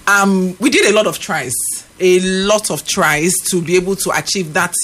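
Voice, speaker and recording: A woman's voice: fairly low pitch, moderate pace, fairly bright tone, a little hiss or hum. A woman chef, a guest on a radio show, explaining things and checking in with "you understand?". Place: radio studio.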